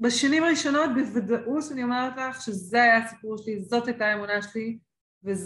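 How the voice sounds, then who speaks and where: Hers is a normal speaking voice, a woman's at a fairly high pitch, moving at a moderate pace with ordinary pitch variation. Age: 50s. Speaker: divorce coach. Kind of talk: interview.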